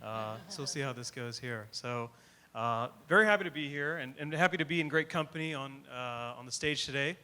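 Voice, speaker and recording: A man's voice: mid-range voice, bright, forceful tone, clear, resonant tone. A man moderating a panel on stage, joking in a self-deprecating way and speaking into a handheld mic. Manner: self-deprecating, quick jokes. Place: large tent stage before an audience. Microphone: handheld mic, far camera.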